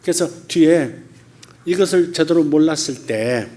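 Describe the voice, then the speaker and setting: A middle-aged man preaching a sermon as pastor, talking colloquially and animatedly, laughing often and acting out quoted voices in sudden loud high bursts. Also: measured pace.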